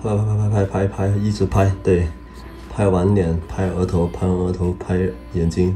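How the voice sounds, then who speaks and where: Music plays in the background as a man speaks in a Cantonese accent. His very deep, low voice moves at a fairly slow pace. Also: ordinary pitch variation, very even loudness. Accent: Cantonese-accented Mandarin. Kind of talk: humorous voiceover commentary.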